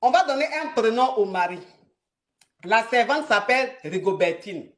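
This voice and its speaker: A woman's voice: a little high, moderate pace. A woman telling a dramatic story on a live stream, repeating phrases for effect and stopping to answer viewers. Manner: animated, repetitive, dramatic retelling.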